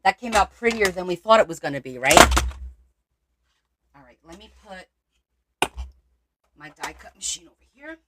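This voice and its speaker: A woman's voice: on the low side, expressive, normal speed, long pauses, heavy background noise. A woman from Portugal hosting a crafting livestream, thinking aloud as she works and answering viewer comments. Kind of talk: casual crafting livestream chat.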